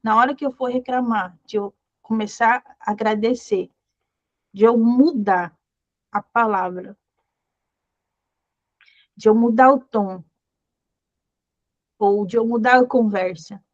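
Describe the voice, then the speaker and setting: A woman's voice: a little high, takes it slowly, long pauses, dry recording, lo-fi sound. A woman leading a Bible study, encouraging her listeners with repeated phrases and reading scripture aloud. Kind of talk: devotional teaching.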